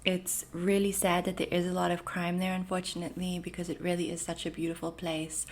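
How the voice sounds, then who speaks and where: Woman, 30s, South African accent blended with Canadian, slightly low voice, gentle and reassuring, chatty with fillers, solo podcast host. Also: little pitch movement, a little fast. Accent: South African mixed with Canadian. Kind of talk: casual solo podcast talk.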